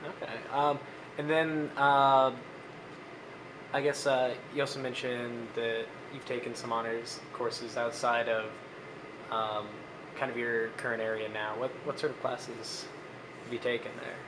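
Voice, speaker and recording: A man's voice: medium pitch, little pitch movement, a little slow, background noise. A young man interviewing a student, asking questions in a hesitant way with many fillers.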